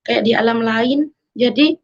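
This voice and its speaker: A woman's voice: on the high side, a little slow. Earnest woman from Madura, muffled audio. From Madura, Indonesia. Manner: earnest, repeatedly addresses listeners as brothers and sisters; mixes in English phrases. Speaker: testimony speaker. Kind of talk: personal faith testimony.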